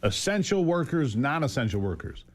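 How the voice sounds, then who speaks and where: A man's voice: mid-range voice, sing-song, normal speed. A man hosting an opinionated political interview, speaking emphatically with rhetorical questions and repeated phrases for stress. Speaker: talk show host.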